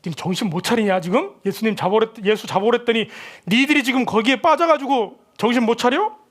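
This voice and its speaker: A man's voice: very high-pitched, quick pace, fairly bright tone. Brief: man voicing irate middle-aged male elders, scolding and barking questions. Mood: angry.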